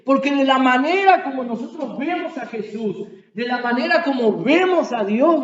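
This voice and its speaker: A male pastor preaching an emphatic sermon in a church, asking rhetorical questions and crying out quoted pleas. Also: very high-pitched. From Uruguay. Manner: cries out quoted pleas loudly. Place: church sanctuary. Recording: echoey church, dull lo-fi sound.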